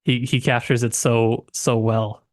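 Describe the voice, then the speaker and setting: A man's voice: mid-range voice, level tone, a little slow, dry recording, studio quality. A man co-hosting a book podcast in casual conversation, tentative and searching for words as he works through his thoughts. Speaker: podcast co-host discussing a novel.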